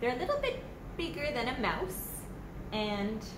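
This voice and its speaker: There is noticeable background noise as a woman speaks with very wide pitch swings. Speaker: teacher reading to children. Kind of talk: children's story read aloud, interactive storytelling to young pupils. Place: classroom.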